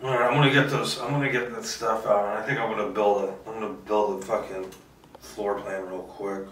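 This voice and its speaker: A man's voice: fairly low pitch, little pitch movement, a little fast, a bit bright, a little hiss or hum. A man doing a table read of screenplay directions, stumbling and rereading as he goes. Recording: roomy, distant microphone.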